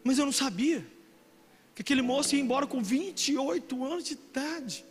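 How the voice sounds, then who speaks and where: A middle-aged man with a Brazilian accent, preaching a dramatic, emotional sermon to a youth congregation, swinging from soft asides to shouting. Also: extremely high pitch, lively intonation, normal speed. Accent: Brazilian Portuguese. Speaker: pastor. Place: large church hall with a youth congregation. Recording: long hall reverb with music behind.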